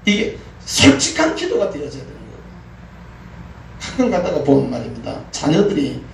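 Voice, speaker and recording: A man's voice: mid-range voice, wildly swooping pitch, normal speed, gravelly. A middle-aged man preaching a sermon in a folksy way, acting out prayers and grumbles with frequent laughs. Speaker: pastor. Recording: echoey room, mic at a distance, faint noise.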